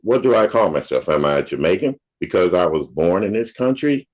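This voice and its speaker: Older man, low voice, opinionated rambling talk, dull lo-fi sound. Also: very animated, a little fast, darkish tone. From United States. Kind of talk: casual chat. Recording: dull lo-fi audio.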